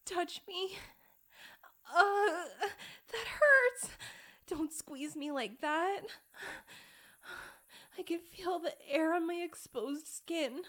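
Woman playing a high, slow-spoken pleading young lady. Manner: formal, old-fashioned phrasing. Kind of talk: solo audio roleplay.

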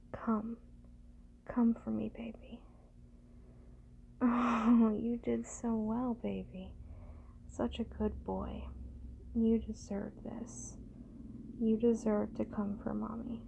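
Woman, ASMR role-play, affectionate lover, tender sweet nothings, breathy and creaky, slightly muffled recording with faint hiss. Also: mid-range voice. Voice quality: soft, breathy soft voice. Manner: murmuring tender sweet nothings, soothing and intimate. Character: gentle, doting, affectionate female lover.

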